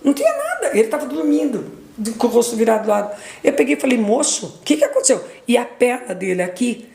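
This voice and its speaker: Middle-aged woman with a gravelly voice, echoey room. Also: on the high side, quick pace, mellow. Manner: retells dialogue with repeated 'aí eu peguei e falei', restarts and fillers. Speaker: guest giving a testimony. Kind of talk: emotional personal testimony.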